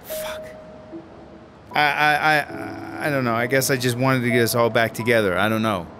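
A man playing a needy, aggrieved, guilt-ridden screenwriter in a radio drama, with an excitable, slangy way of talking. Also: mid-range voice, noisy background. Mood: guilty, pleading. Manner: excitable, slangy, halting when upset. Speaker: actor in a serialized radio drama. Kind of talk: naturalistic radio drama acting.

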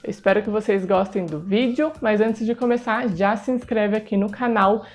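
A woman in her thirties with a Brazilian accent hosts a cake decorating channel, presenting a laid-back tutorial on a lapel mic while music plays in the background. Her mid-range voice is a little mellow and moves at normal speed.

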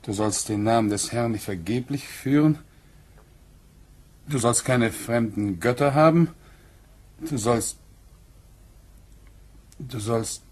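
A stubborn, honest farmer in a German radio drama. His husky voice is mid-pitched, guarded and blunt, with measured, hesitant phrasing. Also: a little mellow. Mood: halting, uneasy. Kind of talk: German radio play acting.

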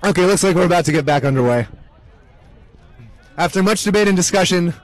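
Young man, high voice, sports commentator, deadpan joking asides, live play-by-play. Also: a little fast, no echo, rough recording.

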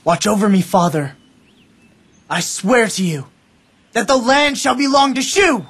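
A husky, earnest young warrior. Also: male voice, sits high, very animated, measured pace, a bit bright, heavily acted. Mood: vowing. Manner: solemn and vowing. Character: earnest young male warrior, devoted son.

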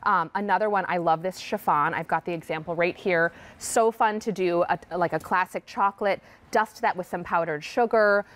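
A woman's voice: lowish voice, normal speed, few pauses, fairly bright tone. A woman in her thirties doing a live infomercial product demonstration in an upbeat, informal, encouraging way. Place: TV studio kitchen set.

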